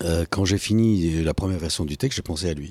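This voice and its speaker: At a moderate pace, a man uses lively intonation in a dark, mellow tone. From Armenia (Yerevan), later France. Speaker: playwright and actor. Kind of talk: interview.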